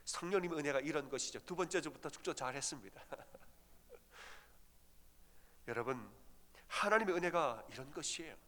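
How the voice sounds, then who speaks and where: A man's voice: a little high, lively intonation, normal speed, pauses often, bright, forceful tone, in a large hall. A middle-aged man preaching an early-morning sermon as pastor, telling stories and acting out the voices he quotes.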